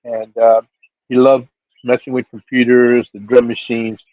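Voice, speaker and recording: A man's voice: medium pitch, monotone, a little slow, no room sound. A middle-aged man from Seattle, talking easygoing and loose, with lots of filler words. He comes through a thin, phone-like line with a dry, close sound. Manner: laid-back, many fillers, voice jumps up for quoted reactions. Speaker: hip-hop DJ and label figure telling his story. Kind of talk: casual storytelling interview.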